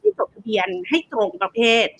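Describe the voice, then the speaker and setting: A woman's voice: brisk, a bit bright. A woman co-hosting a casual talk show, who asks questions and adds her own points in a chatty way.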